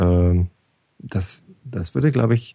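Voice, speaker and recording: Very deep and low with vocal fry, a man's dark, mellow voice moves with lively intonation. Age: 30s. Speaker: caller. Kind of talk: casual chat. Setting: Skype call at home.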